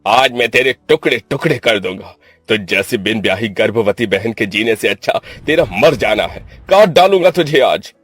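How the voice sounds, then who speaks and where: A man's voice: fairly low pitch, lively intonation, moderate pace, fairly bright tone, breathy edge, dry recording, faint music behind. A man voicing a harsh, proud young man in a cartoon, stern and menacing. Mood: furious.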